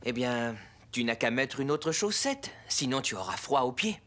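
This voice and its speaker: A man playing a calm, reassuring young father in a cartoon, patient and gentle. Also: mid-range voice, normal speed. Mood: helpful. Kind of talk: cartoon dubbing. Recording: music behind the voice.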